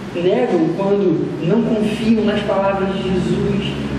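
A man with a Brazilian accent speaks at a very slow pace. Strong room echo and light background noise fill the recording. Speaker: preacher. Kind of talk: sermon. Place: church. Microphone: camera far.

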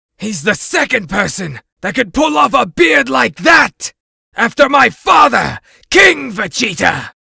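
A man puts on a cartoonish character voice, high-pitched, raised and projected, with very wide pitch swings at a fairly slow pace in a dry, close sound with no echo. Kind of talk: comic overacting. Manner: arrogant, then gushing and alarmed.

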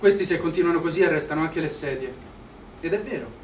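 A man talks at a very fast pace in a high voice. Audible room echo and light background noise are present. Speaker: actor reading. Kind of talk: dramatic staged reading. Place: stage. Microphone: camera far.

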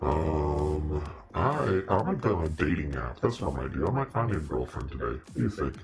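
Over clear background noise, a man uses a put-on character voice. It sits at a very deep, low pitch and moves at a fairly quick pace. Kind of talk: casual, valley-speak.

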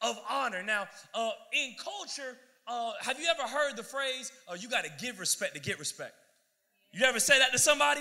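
Against a quiet background, a man uses a raised, projected voice. He moves at a fairly quick pace. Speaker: youth pastor. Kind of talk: sermon. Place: stage. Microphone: handheld.

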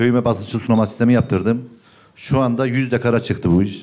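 A man is speaking. He keeps a moderate pace. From Turkey, Tokat. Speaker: village headman and farmer. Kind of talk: town-hall chat. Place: hall. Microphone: handheld.

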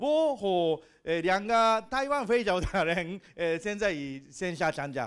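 Talking at a very slow pace, a man with a Japanese accent uses a high pitch and very wide pitch swings. The background is quiet. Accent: Japanese-accented Mandarin. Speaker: open source community organizer. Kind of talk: conference talk. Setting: stage with audience. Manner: halting. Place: hall.

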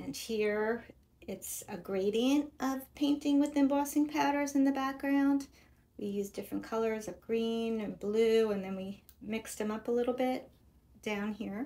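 A woman's speech has ordinary pitch variation and moves at a moderate pace. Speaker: craft demonstrator. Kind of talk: tutorial. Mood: warm, upbeat. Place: studio.

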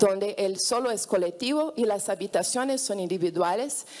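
Her pitch is medium with ordinary variation as the woman talks fairly slowly. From Brazil, Rio de Janeiro. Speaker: nonprofit founder. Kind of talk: conference presentation. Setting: stage with audience. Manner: halting. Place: hall. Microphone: handheld.

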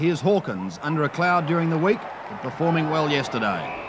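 Very rapid speech from a man, fairly high-pitched, with noticeable background noise behind it. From Australia. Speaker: sports presenter. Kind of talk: sports highlights commentary, voiceover. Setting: archive TV broadcast. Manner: fast, excited play-by-play delivery; punchy, clipped phrases with crowd-pleasing flourish. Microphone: old recording.

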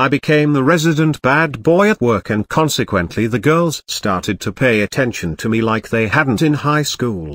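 This is a man's normal speaking voice, medium in pitch, at a moderate pace with lively intonation. The recording is very clean, with a silent background and a dry, close sound with no echo. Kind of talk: first-person conversion story narration.

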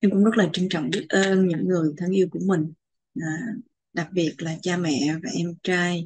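Fairly low female pitch at a moderate pace, a woman's fairly even intonation, dry sound with no echo and a quiet background. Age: 40s. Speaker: skills trainer and career educator. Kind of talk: application video testimony; application video speech. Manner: formal; halting. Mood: earnest, grateful, polite. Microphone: webcam.

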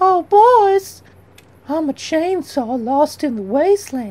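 The put-on character voice is squeaky and high-pitched. It swings very widely in pitch at a fairly slow pace. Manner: coy, playful.

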